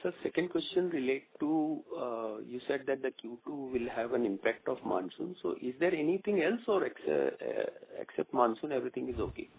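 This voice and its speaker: A man's voice: mid-range voice, big pitch swings, brisk, hardly any pauses. A man with an Indian accent politely asking questions as an investor calling in to an earnings call. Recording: narrow rough phone line.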